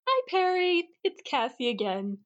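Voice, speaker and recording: A woman's voice: very high voice, sing-song, unhurried, muffled recording, exaggerated voice. A woman playing a naive, bubbly young wishing star with a ditzy, girlish manner in a fantasy comedy audio drama. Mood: clueless, puzzled.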